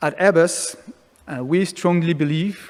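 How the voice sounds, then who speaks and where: With a French accent, a man speaks at a fairly slow pace. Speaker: company executive. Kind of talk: keynote speech. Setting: stage with audience. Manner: hesitant with fillers.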